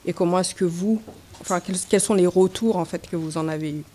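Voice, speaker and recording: Halting female journalist, noisy room. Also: on the low side, dark tone. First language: Swahili. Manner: halting, searching for words. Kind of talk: putting a question at a press conference. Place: press conference room.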